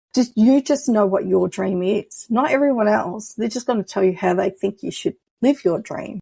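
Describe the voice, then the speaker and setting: A woman with a dark, mellow, somewhat breathy tone speaks at a fairly high pitch and a moderate pace with ordinary pitch variation. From Ireland. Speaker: spiritual life coach. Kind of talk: podcast interview. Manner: animated.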